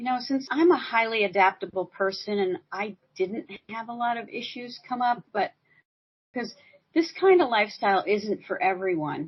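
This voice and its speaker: A woman with an American accent speaks at a moderate pace, somewhat breathy and fairly high. Her pitch swings very widely. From United States. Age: 70s. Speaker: entrepreneur. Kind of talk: interview.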